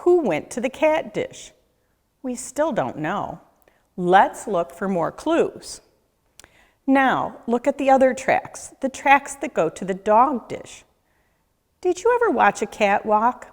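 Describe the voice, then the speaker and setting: A woman reading a children's picture book aloud as a nature educator, with a deliberate, questioning storyteller delivery. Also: fairly high pitch, sing-song. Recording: echoey room with long reverb.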